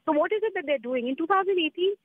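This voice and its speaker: An Indian-accented woman correspondent gives an unscripted live report in a high voice. She explains emphatically, repeating phrases, over a dry, band-limited phone line. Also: lively intonation, rapid-fire, no room sound. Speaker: news correspondent. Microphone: telephone. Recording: muffled narrow phone line.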